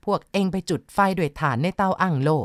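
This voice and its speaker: A woman's voice: deep voice, fast, no room sound, studio quality, natural voice. A woman doing a stern old village exorcist. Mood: commanding. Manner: commanding, harsh.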